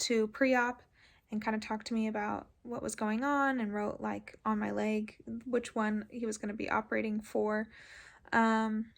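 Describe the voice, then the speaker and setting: A woman telling a personal story casually, in a halting way with many filler words. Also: fairly high pitch, vocal fry. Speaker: patient vlogger recounting surgery.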